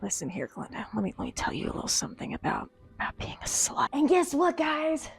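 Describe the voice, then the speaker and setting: A woman's voice: high-pitched, very animated, a little fast, vocal fry. A woman doing casual, joking video commentary, sarcastic, irreverent and profane, with a theatrical streak. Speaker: video essay host. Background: background music.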